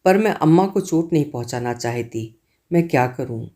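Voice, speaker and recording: A woman's voice: extremely low pitch, lively intonation, normal speed, dark tone. A man voicing a troubled young woman in a storybook reading, pleading and then firm in her choice.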